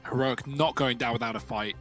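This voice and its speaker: A man's voice: medium pitch, steady tone, a little fast, a bit bright, faint music behind. A man giving esports commentary as caster and analyst, explaining the play in a conversational way with running asides.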